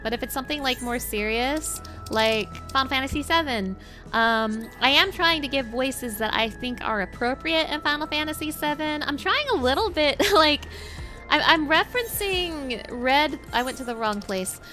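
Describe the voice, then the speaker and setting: A woman streamer with a high-pitched voice, chatting in a bubbly, giggly way between game dialogue. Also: animated, normal speed, sharp tone, soft background music. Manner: bubbly, giggly, filler-heavy chat. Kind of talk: casual chat while reading game dialogue.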